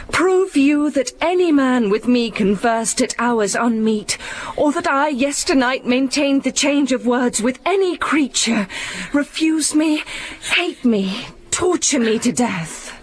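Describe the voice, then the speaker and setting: A woman playing a slow, high-voiced wronged maiden. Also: expressive, a little hiss or hum. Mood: pleading. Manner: impassioned pleading. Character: wronged young maiden, pleading innocence. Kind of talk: Shakespearean verse acting.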